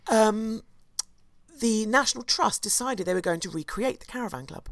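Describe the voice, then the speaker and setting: A hoarse woman, co-hosting a podcast and chattily telling a history story, with asides and restarts. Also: a little high, lively intonation, normal speed, no room sound. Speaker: podcast co-host. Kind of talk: casual chat, storytelling history.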